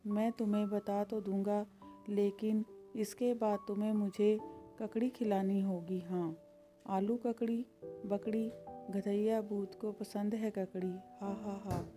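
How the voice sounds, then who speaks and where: A woman's voice: mid-range voice, steady tone, slow pace, mellow, soft background music, lightly acted. Woman voicing a grumpy fussy male ghost. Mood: bossy. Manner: scolding, squeamish, sing-song chants. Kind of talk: storybook character voice.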